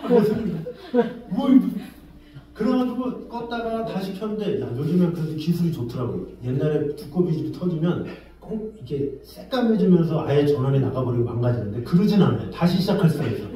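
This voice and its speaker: A man preaching a sermon, telling an everyday story with lively exclamations and then drawing a lesson from it. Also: fairly high pitch, quick pace. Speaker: pastor. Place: church sanctuary. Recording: very echoey, distant from the mic.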